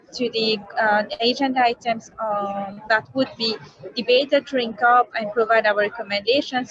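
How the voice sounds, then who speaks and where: A woman panelist from a youth climate network, speaking hesitantly with many fillers, her voice slightly croaky. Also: a little high, a bit bright, lo-fi sound. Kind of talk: panel discussion over video call.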